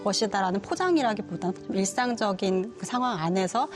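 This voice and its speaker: A woman co-host gives a thoughtful, explanatory introduction to a book and fills her pauses with small fillers. Her pitch sits in the middle range. Music plays clearly in the background. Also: lively intonation.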